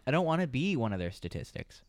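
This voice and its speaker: A young man playing a calm, defiant brother who speaks in a matter-of-fact way. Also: mid-range voice, fast, no room sound, studio quality.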